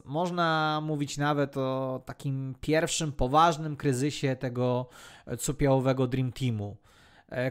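A man hosting a football podcast, narrating a player's career in a prepared, measured, factual way. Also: mid-range voice, smooth.

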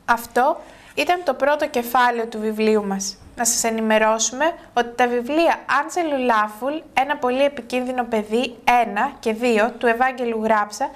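Female host reading a book aloud, calm and measured, with a fairly high voice.

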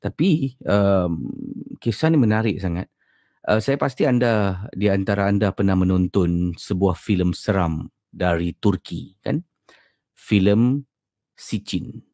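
Streaming casually from home, this Malaysian podcast and livestream host has a low, gravelly, warm voice with a slight slurred lisp from his sore, ulcerated tongue. The sound is studio quality with no room ambience.

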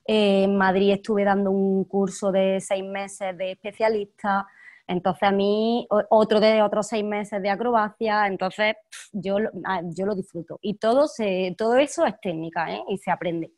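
A woman in her twenties with an Andalusian accent, chatting lively as an actress in an interview, laughing often. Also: mid-range voice, normal speed. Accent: Andalusian Spanish. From Andalusia, Spain. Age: 20s. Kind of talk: casual interview chat.

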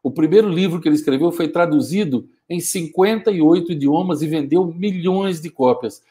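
A man in his fifties giving a forceful, scolding motivational talk on a live stream, using an earphone mic in a small home studio. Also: on the high side, moderate pace. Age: 50s. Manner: forceful, scolding, gestures a lot. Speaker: motivational speaker. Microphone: wired earphone mic, webcam framing.

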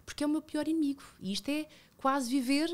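A woman in her thirties with a European Portuguese accent, talking reflectively as a podcast guest, with many fillers and self-corrections, close on a studio boom mic. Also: quick pace. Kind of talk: casual conversational interview. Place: small white-brick podcast studio. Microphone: studio boom mic with headphones.

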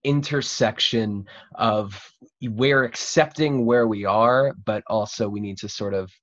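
A young man hosting a casual roundtable chat over a video call, talking informally and haltingly. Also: on the low side, fairly bright tone, no echo, lo-fi sound. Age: young adult. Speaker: host. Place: small cluttered room at home. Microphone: computer mic on a video call.

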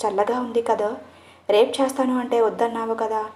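A woman's voice: fairly high pitch, steady tone, fairly quick, darkish tone, lightly acted. A woman narrator voicing a playful, teasing young woman who speaks in theatrical, mock-dramatic lines. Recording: echoey room.

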